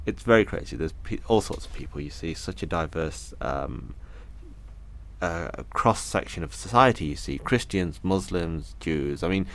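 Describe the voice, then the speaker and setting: Man, deep voice, earnest, reflective, interview guest. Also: lively intonation, moderate pace. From Britain. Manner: earnest, thoughtful, retells conversations in detail. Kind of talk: reflective personal account.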